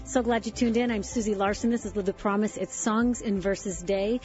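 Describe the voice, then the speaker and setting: A woman hosting a Christian call-in radio show, talking in an upbeat, encouraging way; she has a low voice and is coming down with a cold. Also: fairly even intonation, normal speed, a little mellow, lo-fi sound, soft background music. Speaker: radio host.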